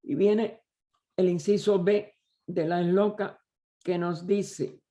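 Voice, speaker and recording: A man leading a study group, explaining a text slowly and deliberately, often pausing and restarting as he searches for words. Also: high-pitched, fairly even intonation, warm tone. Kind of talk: slow explanatory study lecture.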